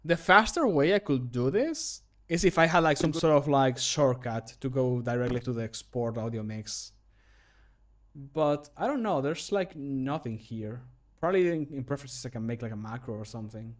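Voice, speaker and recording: A man in his thirties talks casually to a livestream from a small room at home. His voice sits at a middle pitch, and he rambles loosely from one thought to the next. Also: lively intonation, moderate pace. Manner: rambling, easily sidetracked, chuckles often. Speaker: livestreamer and mod maker. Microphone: microphone at a desk, streaming.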